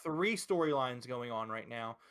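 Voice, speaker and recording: A man's voice: medium pitch, expressive, a little slow, a bit bright, clean tone. A man hosting a podcast, talking casually and emphatically about wrestling with strong opinions and frequent swearing. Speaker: podcast host.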